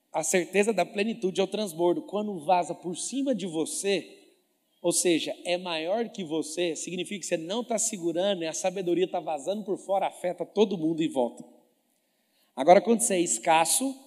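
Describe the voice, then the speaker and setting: A man's voice: sits high, darkish tone, in a large hall. A man with a Brazilian Portuguese accent giving an emphatic motivational stage talk and firing questions at his audience. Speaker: motivational speaker.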